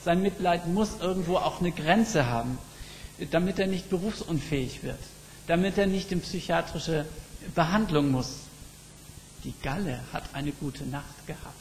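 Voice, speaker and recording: A man preaching a sermon, reflective and slow, telling stories with emphatic pauses. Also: fairly high pitch. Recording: long reverb with faint background noise.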